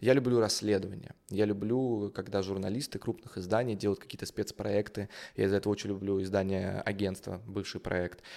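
Recorded very cleanly against a silent background, a man's fairly low pitch and dark, mellow tone come with fairly even intonation. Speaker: guest co-host. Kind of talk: casual chat.

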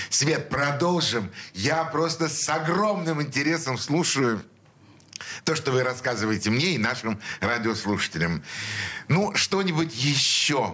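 A man's fairly high, bright, sharp voice, very slow with long, frequent pauses, lively intonation and very even loudness. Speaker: radio host. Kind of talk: radio interview. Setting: radio studio.

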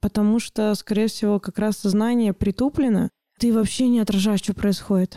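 A woman with a medium-pitched, dark, mellow voice speaks at a moderate pace, her loudness very even and her intonation fairly even. The sound is dry and close with no echo. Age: 20s. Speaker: astrologer. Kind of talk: casual chat.

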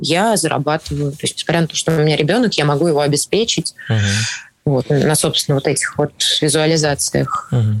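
A woman's very deep, low voice with lively intonation, very even loudness and a fairly quick pace. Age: 20s. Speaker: interviewee with bipolar disorder. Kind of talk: personal testimony interview. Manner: halting, many fillers.

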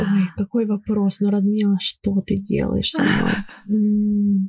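A woman speaks at a very slow pace. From Kazakhstan. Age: 20s. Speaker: podcast co-host, project manager. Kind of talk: casual chat.

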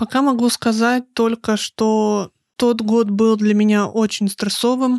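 A woman's dark, mellow voice, fairly high in pitch and flat in a monotone, moves at a fairly slow pace with a dry, close sound and no echo. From Russia, Novosibirsk. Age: 30s. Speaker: podcast host. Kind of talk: solo podcast monologue.

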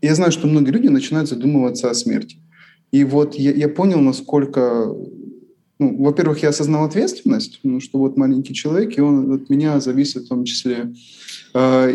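Fairly high for a man, this voice has a dark, mellow tone, a moderate pace and ordinary pitch variation. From Carpathians, Transcarpathia (Ukraine/Hungary area). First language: Rusyn (speaking Russian). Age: 30s. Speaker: IT business owner, father. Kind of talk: casual interview. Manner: halting.

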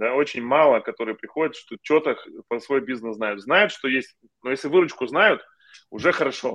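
Here a man with a fairly high pitch speaks at a moderate pace, his intonation lively. Long, frequent pauses break up his speech. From Russia, Yekaterinburg (Urals). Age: 40s. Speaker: entrepreneur and business tracker, former basketball player. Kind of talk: interview. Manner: hesitant, many fillers.

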